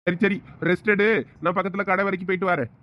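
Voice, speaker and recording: A man's voice: high-pitched, flat delivery, quick pace, natural voice. A man playing a scolding village boss. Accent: Thoothukudi Tamil. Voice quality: scolding, blunt. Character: gruff older boss, scolding and stingy-minded. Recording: dull lo-fi audio.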